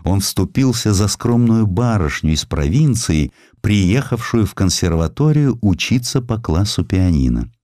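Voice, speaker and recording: A man's voice: lowish voice, measured pace, few pauses, dry recording, clean studio sound. A man reading historical sketches as a dramatic, theatrical audiobook narrator. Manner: expressive, theatrical storytelling.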